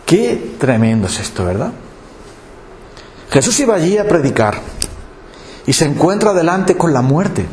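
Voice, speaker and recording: A man preaching a sermon in a lively, dramatic way, acting out the voices he quotes. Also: fairly high pitch, a little slow, long pauses, reverberant, a little hiss or hum. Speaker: pastor.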